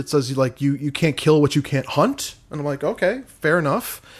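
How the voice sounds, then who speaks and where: A man with an American accent speaks in a normal speaking voice, his pitch fairly high and its variation ordinary. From Michigan. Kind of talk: casual chat.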